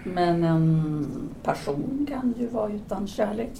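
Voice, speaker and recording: An actress playing a cool, frank French intellectual woman in an audio drama, with measured, formal and composed delivery. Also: mid-range voice, expressive, creaky, mellow, slight background noise. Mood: cool, reasoning.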